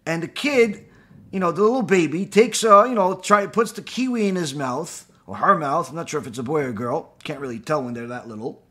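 A man gives a lecture in a high, bright, slightly husky voice. His pitch swings widely as he fires off rhetorical questions, and he often stops on "you know" and "uh". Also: expressive, a little fast. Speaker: Torah teacher. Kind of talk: recorded lecture.

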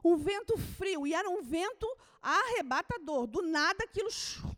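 High-pitched woman preacher; fervent sermon delivery, alternating shouted declarations with quiet, whispered moments. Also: lively intonation, normal speed. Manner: swings from shouted proclamations to hushed near-whispers.

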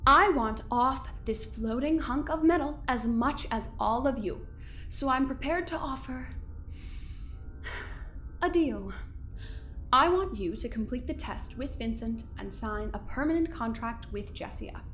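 A woman playing a smug, controlling overseer in an audio drama, delivering measured, condescending threats in a theatrical way. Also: sits high, animated, fairly bright tone, faint music behind. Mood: businesslike, controlling. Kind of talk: scripted audio drama acting.

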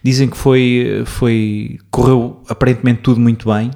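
A man's voice: mid-range voice, little pitch movement, measured pace, gravelly, warm tone. A man from the Azores with a European Portuguese accent, chatting casually in a reflective, slightly hesitant way. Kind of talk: casual chat.

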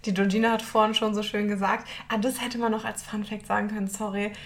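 A woman's voice: medium pitch, little pitch movement, fast, slight background noise. A young woman co-hosting a casual podcast, chatting and mixing English words into German. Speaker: podcast co-host. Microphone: home podcast mic.

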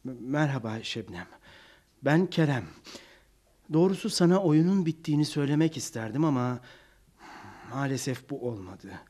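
A man's voice: medium pitch, lively intonation, normal speed, pauses often, a little mellow, natural voice. A man playing Kerem, leaving a hesitant voicemail. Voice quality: hesitant, stammering. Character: hesitant young man phoning the woman he loves. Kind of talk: radio drama acting.

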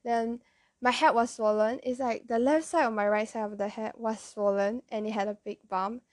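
A woman's voice: fairly high pitch, fairly even intonation, moderate pace, dry recording, clean studio sound. A young woman, telling a childhood story in a chatty, rambling way with plenty of filler words. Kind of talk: casual storytelling.

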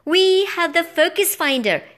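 A woman's voice: very high voice, lively intonation, a little slow, fairly bright tone, voice pushed up, full character voice. A woman voicing a small, timid, melodramatic animal hero in a children's story. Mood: excited. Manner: breathless, melodramatic. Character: small timid anxious mouse-like narrator hero, squeaky, dramatic.

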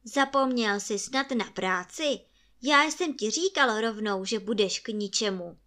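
A woman's voice: on the high side, sharp tone. A woman voicing a grumpy older woodcutter who scolds his son angrily. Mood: scolding. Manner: angry, scolding.

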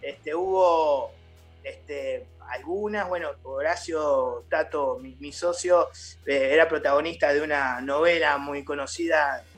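Casting: middle-aged Uruguayan man, a little high, halting guest chat over faint music. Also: a bit bright. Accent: Uruguayan Spanish. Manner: hesitant, many fillers and restarts. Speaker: theatre company founder, guest. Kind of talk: casual interview chat.

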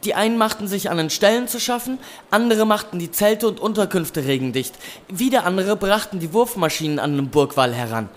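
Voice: mid-range voice, lively intonation, a little fast, few pauses, lightly acted. Casting: actor for a young medieval army lad, humble and eager, formal deferential storytelling, historical audio drama. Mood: earnest. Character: humble, eager medieval army servant boy reporting to his king.

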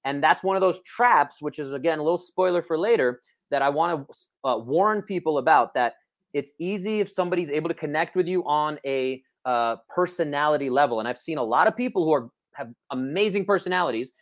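A talkative personal trainer, a man with a slightly raised pitch. He chats with energy over an online call and restarts his sentences often. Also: lively intonation, a little fast. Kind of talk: casual podcast chat.

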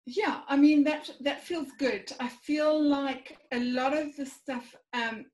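A woman speaks openly to her coach, her voice pitched somewhat high. She thinks aloud, circling back with fillers and small hesitations. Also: takes it slowly, a little mellow, low-quality recording. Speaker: coaching client. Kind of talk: reflective conversation.

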